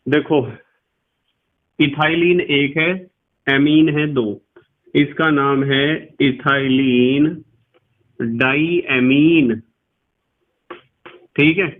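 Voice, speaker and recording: A man with a slightly high voice teaches a chemistry class in a steady tone and slow pace, pausing often. He patiently repeats key terms, spells words out letter by letter, and calls his students "beta." The recording sounds tinny, like a phone.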